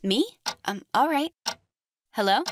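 An actress playing a subdued, polite young student clerk in an audio drama, talking hesitantly. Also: female voice, on the high side, animated, takes it slowly. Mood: worried. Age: young adult. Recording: noisy background with clicks.

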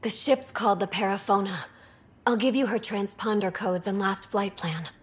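A woman's voice: medium pitch, steady tone, moderate pace, close to an everyday voice. A woman playing a haunted young alien survivor. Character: young asari refugee officer, shaken and grieving. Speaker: junior ark crew survivor. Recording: game audio with soft music behind.

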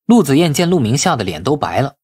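A man's voice: medium pitch, big pitch swings, fast talker, darkish tone, husky, no room sound, studio quality. A man reading dramatic scripted narration from a novel. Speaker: audiobook narrator.

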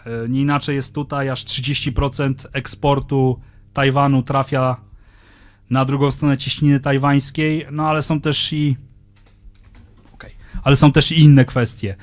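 A man in his thirties giving a conference lecture into a handheld microphone, speaking in a measured way with frequent hesitations. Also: medium pitch, flat delivery, dry recording. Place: lecture room, indoors.

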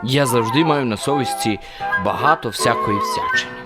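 A man's voice: mid-range voice, huge pitch swings, moderate pace, over loud music. A man acting in a radio drama as a good-natured, naive, chatty soldier who is deferential and folksy while being questioned. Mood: naively earnest. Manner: deferential, rambling, folksy politeness.

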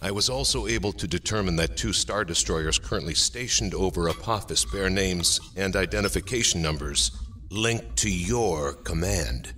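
Probing, formal male alien military officer, played by an actor, low sharp-edged voice, audio drama. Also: normal speed, slight background noise. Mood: cool probing. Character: coolly probing, analytical male alien imperial captain.

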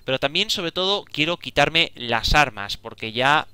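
A young man giving casual, excitable gameplay commentary, talking to himself and exclaiming often. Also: fairly high pitch, a little slow, smooth, no room sound. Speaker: gaming video creator.

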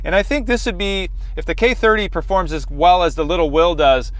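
Speaking briskly in a high voice, a man in his forties hosts a casual product test from inside a car. He talks conversationally, and his lapel mic gives a dry recording.

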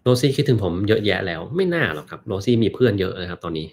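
Relaxed man chatting on a live stream. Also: on the low side, rapid-fire. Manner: relaxed, joking, reads viewer questions aloud. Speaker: host answering live chat. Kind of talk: casual live-stream chat.

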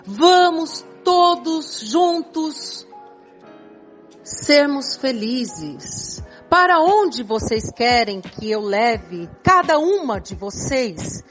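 Dreamy suitor, acted by an older woman, radio drama, slow delivery, faint music. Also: high voice, big pitch swings, heavily acted. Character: dreamy suitor promising paradise to admirers. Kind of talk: amateur radio drama acting.

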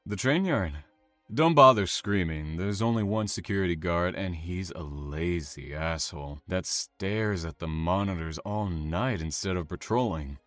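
Man acting a slow, low-voiced sadistic serial killer. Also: fairly bright tone, no echo, faint music behind. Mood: taunting. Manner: menacing, deliberate, theatrical, savoring words. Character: sadistic male serial killer, calm, taunting, self-satisfied. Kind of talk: audio drama acting.

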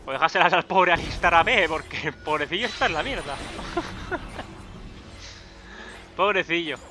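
Young male gaming YouTuber, Peninsular Spanish accent, high voice, game music clearly underneath. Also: a little slow. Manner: excitable, swearing, frequent loud outbursts. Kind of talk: live gameplay commentary.

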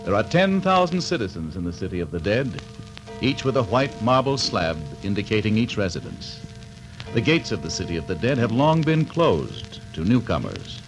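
A man announcing and narrating a 1940s radio serial in a dramatic, measured scripted style. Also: on the low side, big pitch swings, soft background music, poor audio.

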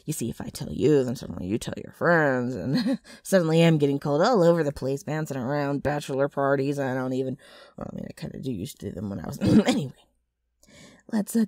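Low, raspy, brash ghoul girl. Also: dark tone, no room sound, clean studio sound, heavily acted. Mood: wry, evasive. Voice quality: rough, raspy. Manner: rambling, flustered salesman-like patter with throat clearing. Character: gross, brash, scheming female ghoul ghost. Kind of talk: ASMR character roleplay addressed to listener.

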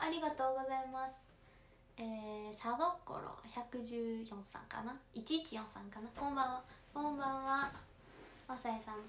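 A woman's voice: on the high side, a bit bright. Chatty Kansai teen girl on a livestream. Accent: Kansai Japanese. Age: late teens. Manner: chatty, reads viewer comments aloud and answers them politely. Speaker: idol audition candidate livestreaming to fans. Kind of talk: casual livestream chat. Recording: roomy, faint background noise.

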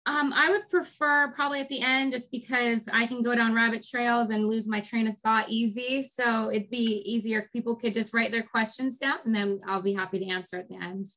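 An American woman in her thirties with a hoarse, strained voice from losing it, talking casually as a guest expert on a video call. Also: a little high, fairly even intonation, a little fast, few pauses, pushed and bright. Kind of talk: casual interview talk. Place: indoor room, video call. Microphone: computer video-call microphone.

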